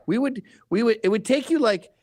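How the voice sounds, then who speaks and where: A man's voice: very high voice, lively intonation, brisk, darkish tone, no echo, clean studio sound. A man in his fifties, a guest on a casual livestream chat, who tells rambling, joking stories and swears freely. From Canada. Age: 50s. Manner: profane, rambling, joking storyteller. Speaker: podcast guest.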